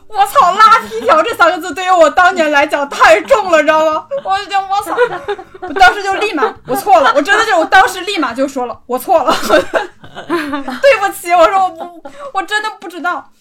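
A young woman podcast host telling a story in a casual chat, animated and laughing often. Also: extremely high pitch, fairly quick, a crowd in the background.

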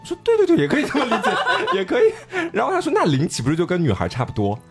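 A man's voice: high voice, wildly swooping pitch, rapid-fire, over loud music. A man co-hosting a podcast, telling a story in casual chat with lots of laughter. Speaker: podcast co-host.

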